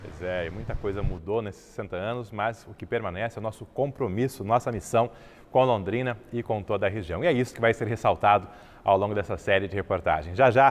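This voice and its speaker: This man talks at a fairly quick pace in a normal speaking voice, his pitch fairly low with ordinary variation. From Paraná, Brazil (Campo Mourão). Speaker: TV news anchor. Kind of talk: live TV news chat.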